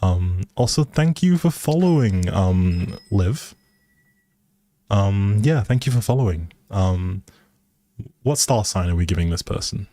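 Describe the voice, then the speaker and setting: A man's voice: low voice, expressive, measured pace, mellow, dry recording. A man livestreaming a game with casual, playful, teasing chat to his viewers.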